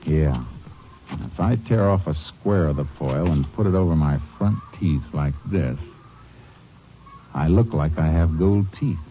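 Texas Ranger: very low voice, shrewd and clipped, old radio western, muffled recording. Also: male voice, measured pace, slight background noise. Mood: assured. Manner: terse, matter-of-fact questioning. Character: steady, shrewd Texas Ranger investigator and narrator. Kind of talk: 1950s radio western acting.

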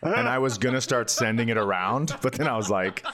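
A man's voice: mid-range voice, brisk, a bit bright. A man who hosts a comedy podcast, telling casual, self-mocking stories and giggling through them. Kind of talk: casual comedic banter and storytelling.

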